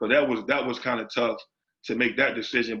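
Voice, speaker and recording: With a bright, sharp tone, a man speaks fairly quickly at medium pitch in a flat monotone. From Norfolk, Virginia, US South. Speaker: women's college basketball coach. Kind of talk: interview. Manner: loud.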